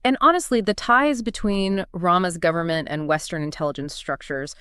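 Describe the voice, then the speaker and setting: A woman's voice: fairly low pitch, normal speed, fairly bright tone, clean tone, no room sound, studio quality. A woman co-hosting a conversational political explainer podcast, laying out an exposé in an emphatic, incredulous, sarcastic tone. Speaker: co-host.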